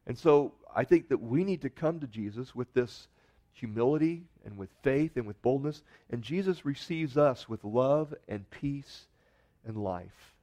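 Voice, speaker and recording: A man preaching a sermon, telling a story with expressive swells of emphasis and dramatized quotes. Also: mid-range voice, measured pace. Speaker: pastor.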